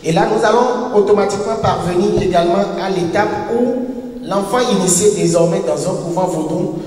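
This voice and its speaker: Halting lecturer echoing in a far hall. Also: male voice, sits high, darkish tone. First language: a local language, not French. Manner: halting, searching for words with many restarts and fillers. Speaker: university professor and historian giving a lecture. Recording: echoey hall recorded from far off.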